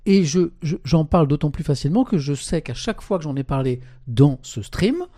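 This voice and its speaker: A man live-streaming in a relaxed, chatty way, reading press passages aloud and then adding his own remarks. His voice is dark and mellow. The sound is dry and close, with no room echo. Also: fairly high pitch, a little fast. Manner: conversational, tags sentences with "hein"; reads article passages aloud, then comments.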